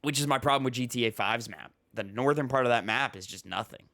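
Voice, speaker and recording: A man's voice: medium pitch, fast, pushed and bright. A man hosting a casual gaming podcast with a slightly stuffy nose, rambling with fillers and reading news articles aloud. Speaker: podcast host.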